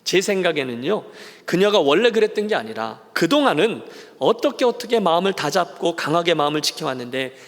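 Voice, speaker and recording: A senior pastor preaches a Sunday sermon in a voice high for a man, animatedly slipping into short acted voices of the townspeople and Naomi. Each phrase trails off in the long reverb of a church sanctuary.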